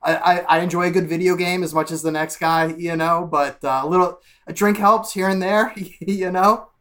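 A man's voice: high-pitched, fairly even intonation, moderate pace, fairly bright tone. A man appearing as a guest on a podcast, talking casually and rambling with many fillers. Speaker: guest, media researcher. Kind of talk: casual interview chat.

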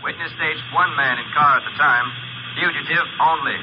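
A man's voice: fairly high pitch, normal speed, loud music behind the voice, natural voice. A male actor playing a businesslike police radio operator in a 1950s radio drama, with formal, clipped procedural phrasing. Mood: official. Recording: muffled, noisy 1950s radio recording.

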